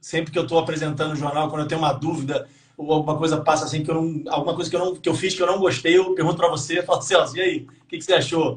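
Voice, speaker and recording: A man with a fairly high pitch talks at a very fast pace in an animated tone. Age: 40s. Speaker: TV news anchor. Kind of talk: casual chat.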